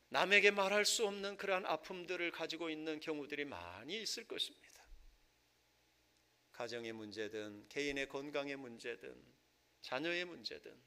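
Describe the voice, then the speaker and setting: A male pastor preaching a Sunday sermon in church, rising to loud impassioned stretches and falling to soft, hushed passages. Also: on the high side, clear, resonant tone. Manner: swells to loud impassioned preaching, then drops to soft near-whispers. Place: church sanctuary.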